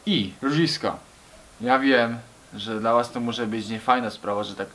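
A man's voice: medium pitch, a little slow, a bit bright, slight background noise. A young man talking casually to camera in a small garage, rambling and slangy, often calling his viewers buddies. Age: young adult. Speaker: vlogger. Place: small garage with brick walls.

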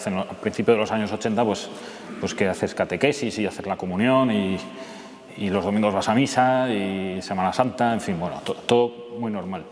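Low-voiced Madrid man in an echoey hall. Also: a little mellow. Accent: Castilian Spanish from Madrid. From Madrid, Spain. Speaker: speaker giving a testimony. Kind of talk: informal personal testimony to an audience. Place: church interior, seated at a table. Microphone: lapel microphone. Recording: echoey church hall, clear background noise.

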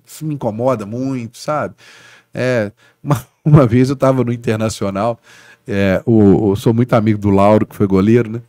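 A man's voice: on the low side, normal speed, no room sound, studio quality. A man from Brazil, a sports journalist guest on a casual podcast, telling stories animatedly and tagging his sentences with little asides. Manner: animated storyteller, frequent "né, cara" tags.

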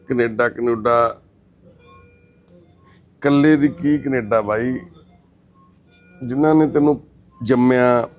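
A man working as a charity volunteer, earnestly pleading with an absent son to call his grieving mother. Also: medium pitch. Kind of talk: emotional appeal to camera.

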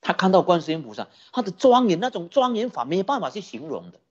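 Husky, lively Buddhist preacher. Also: mid-range voice, fast. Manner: animated storytelling with rhetorical questions. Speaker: Buddhist teacher. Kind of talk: sermon. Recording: dull lo-fi recording.

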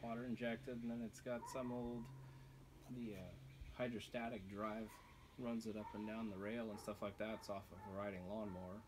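A man's voice: fairly low pitch, little pitch movement, moderate pace, background noise. A man answering questions about a sawmill outdoors in brief, matter-of-fact terms. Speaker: sawmill operator. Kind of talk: casual explanation.

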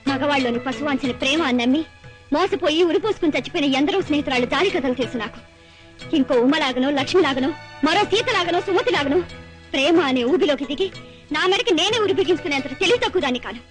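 A woman's voice: sits high, animated, fast, faint music behind. A woman acting a proud young woman who firmly rejects a man's love, lecturing and indignant.

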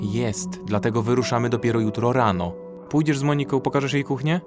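An actor playing a protective, pragmatic young survivor in a horror audio drama, speaking practically and in control. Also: male voice, medium pitch, a little fast, natural voice. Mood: gentle, reassuring. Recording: music under the voice.

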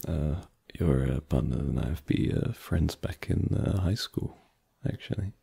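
A man playing a friendly young male friend with a deep, husky, somewhat gravelly voice, speaking slowly with pauses. Roleplay audio. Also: mellow, no echo, heavily acted. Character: friendly male high-school friend Sam.

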